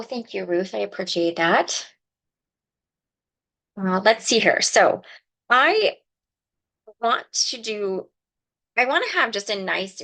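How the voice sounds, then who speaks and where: A woman at a mid pitch talks her viewers through a card-making project in a relaxed, explaining manner. She greets commenters by name as she works. She sounds a touch sniffly from a cold. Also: rough recording. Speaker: crafting livestream host. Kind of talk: casual live craft demonstration.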